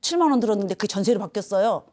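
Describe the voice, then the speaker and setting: A woman giving a lively motivational lecture to seniors, telling a personal story and acting out the dialogue with big swings in volume. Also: medium pitch, very fast. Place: lecture hall.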